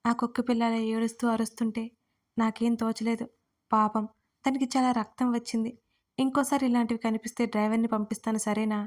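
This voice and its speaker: A woman's voice: fairly high pitch, flat delivery, fairly quick, darkish tone, natural voice. A woman voicing a spirited young wife who coaxes and pleads in a whiny tone. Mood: pleading.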